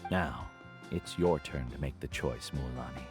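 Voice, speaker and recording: An actor playing a calm, wise older tribal mentor in a video game, speaking in a measured, gentle, instructive way. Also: male voice, very deep voice, soft background music. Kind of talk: game voice acting.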